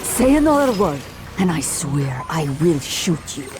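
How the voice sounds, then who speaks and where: A woman's voice: low voice, very animated, unhurried, music in the background. An actress playing a furious, defiant woman with a gun in a video game, accusing and threatening.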